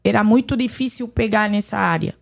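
A woman's voice: medium pitch, a little fast, creaky. A woman from Lebanon, a podcast guest, earnestly telling her personal faith testimony and acting out the conversations in it. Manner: earnest storytelling, retelling dialogue.

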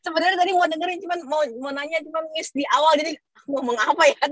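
A woman's voice: sits high, fairly even intonation, fast, fairly bright tone, dry recording. A woman joining a video call, speaking casually and hesitantly with many restarts and fillers, thanking the speaker. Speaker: participant on call. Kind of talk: casual chat.

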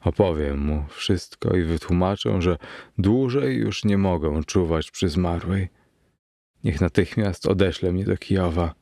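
A man voicing a frightened, worn-out young student who talks in a weary, shaken way, in a low, gravelly, slow voice. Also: warm tone, no room sound, clean studio sound.

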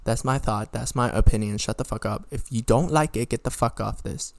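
A young man from Hong Kong talks in a loose, opinionated vlog style. His voice sits at an average pitch, and he circles back to rephrase points, peppering them with blunt swearing. The sound is close and dry, with very little room in it. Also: a little fast, creaky, dry recording. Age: young adult. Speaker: vlogger. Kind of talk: casual rambling opinion monologue.

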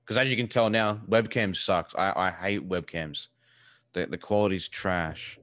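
Casting: male Australian streamer, deep voice, casual and blunt with loose swearing, recorded dry indoors. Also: unhurried, a bit bright, no echo. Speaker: live streamer, interview guest. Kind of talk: casual chat. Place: living room.

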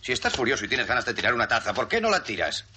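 A man dubbing a gruff, sloppy divorced man who talks in dry, sardonic jabs. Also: mid-range voice, sing-song, rapid-fire, noisy background, natural voice. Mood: exasperated. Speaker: dubbing actor. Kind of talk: film dubbing.

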